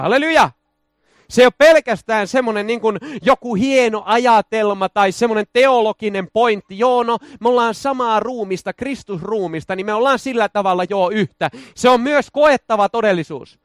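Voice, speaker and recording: A man preaching a charismatic sermon, exuberant, often shouting hallelujah and joking in folksy asides. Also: high-pitched, no echo, clean studio sound.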